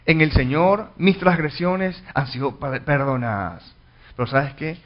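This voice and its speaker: A pastor teaching a Bible study, reading verses aloud and explaining them with frequent restarts. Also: male voice, on the high side, unhurried. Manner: reads scripture then explains, many restarts and fillers. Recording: dull lo-fi recording.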